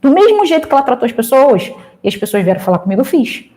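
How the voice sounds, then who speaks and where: A woman gives casual advice to a group in a fairly high voice. She talks with emphatic energy and gets loud when excited. She works jokes and anecdotes into her points. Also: fast talker. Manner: tells anecdotes, jokes along the way. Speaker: social project leader speaking to a group.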